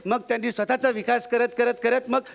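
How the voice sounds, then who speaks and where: A man's voice: very high voice, flat delivery, fairly quick, gravelly, full character voice. An actor playing a nervous, bumbling common villager who stumbles over his lines in a stage comedy sketch. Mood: earnest.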